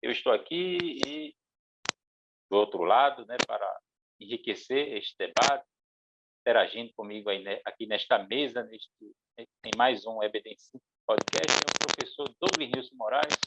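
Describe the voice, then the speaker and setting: A man with a Brazilian Portuguese accent hosts a church teaching podcast and explains Bible lessons in a thoughtful way, pausing often. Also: medium pitch, sing-song, gravelly, background noise. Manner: thoughtful, with many pauses and fillers. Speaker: podcast host and Sunday school teacher.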